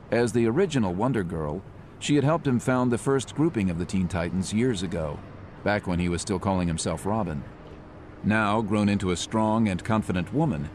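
A man narrating a motion comic in a measured, descriptive manner. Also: low-pitched, darkish tone, a little hiss or hum. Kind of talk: scripted narration. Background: music.

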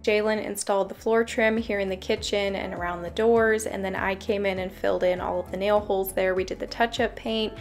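A woman's voice: medium pitch, fairly even intonation, fairly quick, hardly any pauses. A young woman, a home renovation vlogger, narrating a voice-over in a cheerful, chatty way and explaining each step. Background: faint background music.

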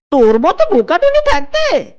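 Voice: very high-pitched, highs cut off, exaggerated voice. A performer voicing a wicked, mischievous fox in a children's cartoon, taunting in a singsong, cackling way. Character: wicked gleeful singing fox, mischievous egg thief. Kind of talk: exaggerated children's cartoon acting.

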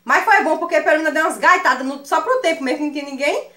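Bright high-voiced Northeastern Brazilian woman. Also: racing. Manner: animated, laughing often, addresses viewers as "gente". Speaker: vlogger. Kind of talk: casual storytelling to viewers. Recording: echoey room sound.

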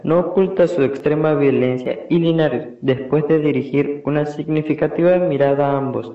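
A man's voice: on the high side, mellow. Echoey young Argentine male narrator. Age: young adult. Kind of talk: reading stage directions, amateur radio play. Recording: echoey, dull, distant from mic.

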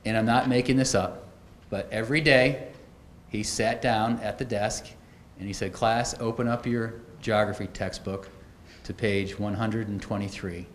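Delivering a keynote at a podium, a middle-aged man speaks in a low, steady voice at a moderate pace, telling stories conversationally with wry asides. Podium microphones capture him in an auditorium full of echo and faint noise.

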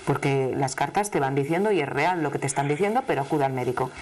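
A middle-aged woman from Asturias with an Asturian accent and a low, deep voice, doing a live studio tarot reading. She talks to the caller emphatically and familiarly, with chatty warmth in her words. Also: fast talker, slight background noise. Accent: Asturian Spanish. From Asturias, Spain. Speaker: television tarot reader. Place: television studio. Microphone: studio microphone, seated at desk.

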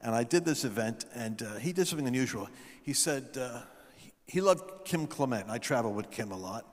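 A middle-aged man telling stories from a stage, preaching into a handheld mic and building up to shouted proclamations. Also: mid-range voice, animated, fairly quick. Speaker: guest speaker. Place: large event hall stage. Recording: long hall reverb.

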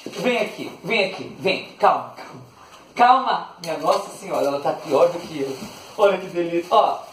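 A man's voice: on the high side, animated, moderate pace, a bit bright, recorded from a distance. A man hosting a casual unboxing vlog, sweetly coaxing his dog and laughing often. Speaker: channel host. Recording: echoey room, voice off the mic, faint noise.

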